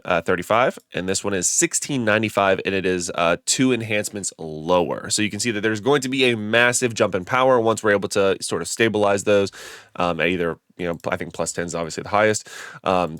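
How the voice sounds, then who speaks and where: A lower-voiced man with a stuffy, nasal sound from a head cold talks through a game guide in a loose, rambling way, full of ums and restarts. The close mic gives a dry, dead sound. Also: a bit bright, no room sound. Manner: chatty and rambling, many fillers and self-corrections. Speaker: gaming video creator. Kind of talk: casual game guide commentary.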